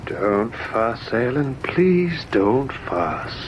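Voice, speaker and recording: A weary, irritable gentleman invalid from an old radio play. He speaks slowly and formally at a middling pitch, brooding and bitter. The old recording carries faint noise. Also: sing-song, muffled recording. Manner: measured, formal, theatrical delivery. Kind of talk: old-time radio drama acting.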